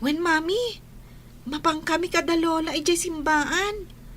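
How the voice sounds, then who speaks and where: A woman's voice: extremely high pitch, unhurried, fairly bright tone, a little hiss or hum. A woman voicing an earnest young daughter who prays for her sibling. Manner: earnest, pleading. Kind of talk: Ilocano family drama acting.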